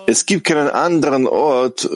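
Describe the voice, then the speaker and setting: A man giving a halting live spoken translation of a heartfelt testimonial, often correcting himself as he goes. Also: mid-range voice. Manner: halting, self-correcting delivery.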